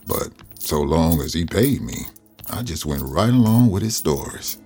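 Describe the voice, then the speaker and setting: Brief: older man narrating, very low voice with lively pitch, soft music under. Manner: slow, plainspoken, folksy. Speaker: narrator recalling his youth. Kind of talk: storytelling in an interview.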